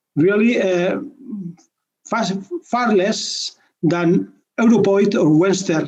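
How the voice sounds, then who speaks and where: Dark and mellow in tone, a man speaks with a Spanish accent and ordinary pitch variation. The background is quiet. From Catalonia, Spain (Lleida). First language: Spanish or Catalan. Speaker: academic researcher, panel convener. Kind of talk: conference panel presentation. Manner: halting, with many false starts.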